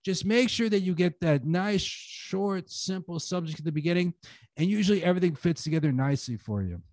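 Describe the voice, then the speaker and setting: A man's voice: high-pitched, lively intonation, brisk, a little mellow, no echo. A man giving a casual talk on writing at an online conference, full of "like" and "you know" fillers, speaking over a video call. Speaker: guest speaker, writing teacher.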